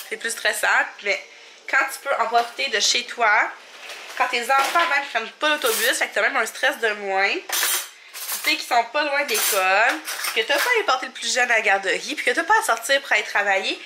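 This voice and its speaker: A woman's voice: fairly high pitch, background noise. A woman in her thirties with a Québécois French accent, chatting casually in a rambling home vlog, a little sniffly from a stuffy nose. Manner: chatty, rambling, many fillers and little laughs. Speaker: family vlogger. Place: home kitchen, indoors.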